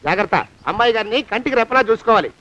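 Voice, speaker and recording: Brief: bossy penny-pinching master, barking rapid orders; high voice, dull old film sound. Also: male voice, expressive, sharp tone. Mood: lecturing. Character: bossy stingy man, master of servants. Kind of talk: film comedy dialogue.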